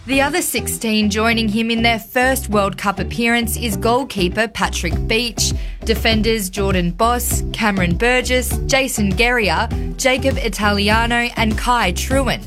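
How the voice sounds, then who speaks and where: A woman's voice: fairly high pitch, measured pace. Woman reporting over music. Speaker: news reporter. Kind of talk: scripted news narration. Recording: music bed behind voice.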